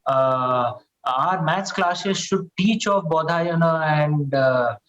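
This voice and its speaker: A man's voice: fairly high pitch, slow pace, a bit bright, lo-fi sound. A man from Uttar Pradesh with an Indian English accent, arguing earnestly on a panel discussion, with many hesitations and "right?" checks. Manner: earnest, persuasive, frequent "uh" and "right?". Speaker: panel guest.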